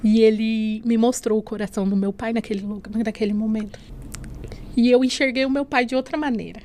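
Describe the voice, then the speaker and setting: A woman's voice: on the high side, fairly even intonation, quick pace, a little hiss or hum. A woman sharing an emotional faith testimony on a podcast, acting out the dialogue she remembers and often adding tag questions. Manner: storytelling that acts out remembered dialogue; leans on tag questions and softening fillers. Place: podcast studio.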